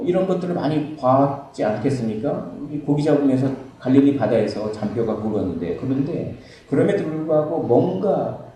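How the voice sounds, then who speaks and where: A man's voice: on the high side, dark tone. A male pastor preaching a Sunday sermon, acting out quoted cries in a raised voice. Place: church sanctuary. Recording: echoey church hall from far off.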